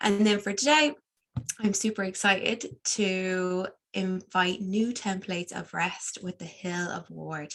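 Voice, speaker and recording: In an Irish accent, a woman speaks fairly slowly at a medium pitch with ordinary pitch variation. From Ireland. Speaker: energy healer and meditation teacher. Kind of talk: class introduction before guided meditation. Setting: online live session.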